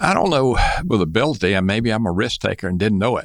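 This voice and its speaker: A man in a Southern US accent speaks at a moderate pace. His pitch varies in an ordinary way. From Mississippi (Jackson). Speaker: entrepreneur. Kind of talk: interview.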